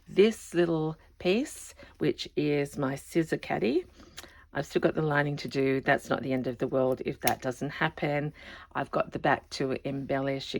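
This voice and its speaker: This put-on character voice is raspy and moves at a moderate pace. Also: woman, very deep, low pitch for a woman. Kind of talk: casual, conversational.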